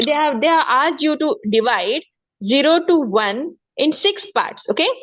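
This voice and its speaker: A high-pitched woman with a South Asian accent gives a maths lesson through slightly dull, lo-fi audio. She explains step by step, repeats key points and keeps adding short check-in questions. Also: animated, moderate pace, fairly bright tone. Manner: repetitive, frequent check-in questions. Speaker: maths teacher.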